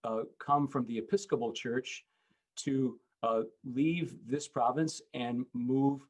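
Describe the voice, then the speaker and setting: Halting middle-aged man, full of fillers. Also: mid-range voice, fairly even intonation, a little mellow, muffled recording. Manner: halting, many fillers and restarts. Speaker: bishop. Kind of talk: panel talk.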